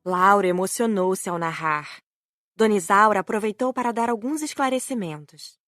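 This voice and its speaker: A woman's voice: mid-range voice, moderate pace, a bit bright, no room sound, studio quality, soft background music. A woman reading scripted storytelling narration as the narrator of an audiobook.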